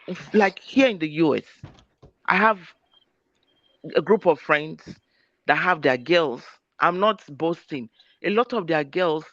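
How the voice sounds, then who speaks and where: A man's voice: high voice, a bit bright, dry recording. A man from Nigeria, now in the United States, talking in a group discussion over a call. He speaks earnestly and gropes for words with lots of "I mean". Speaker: discussion participant. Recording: dry, muffled call audio.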